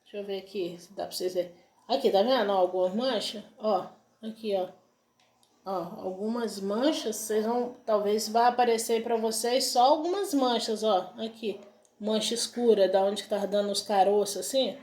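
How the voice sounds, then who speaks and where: A woman's voice: medium pitch, normal speed, a little mellow. A woman telling a casual testimonial to camera in a chatty, repetitive way, retelling conversations. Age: adult student. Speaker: vlogger sharing a home remedy.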